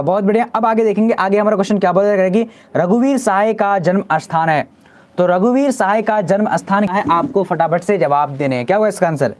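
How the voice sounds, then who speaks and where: A male teacher running a live online exam-prep class, firing quick quiz questions and repeating each answer. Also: sits high, a little mellow.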